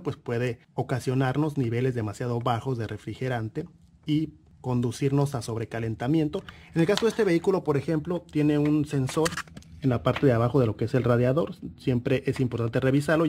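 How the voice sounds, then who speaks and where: A man's voice: medium pitch, a little mellow, slight background noise. Methodical man explaining car repairs. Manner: methodical, repeats points, points out parts. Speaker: auto mechanic instructor.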